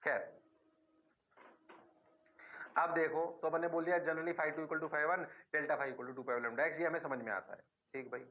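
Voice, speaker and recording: A man's voice: fairly high pitch, fairly even intonation, unhurried, long pauses, pushed and bright, highs cut off. A man teaching physics in a classroom lecture with an Indian accent, who drags out his words and playfully answers himself in the students' voice.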